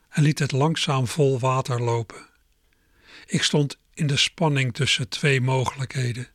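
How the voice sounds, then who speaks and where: Middle-aged male reader for a reflective first-person story, calm and measured, dry booth sound. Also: medium pitch, no echo. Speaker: narrator. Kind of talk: storybook reading.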